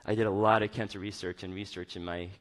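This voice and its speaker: A man's voice: low-pitched, little pitch movement, quick pace. A middle-aged man giving an informal, personal conference talk on stage in a conversational, rambling way. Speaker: chief medical officer giving a keynote.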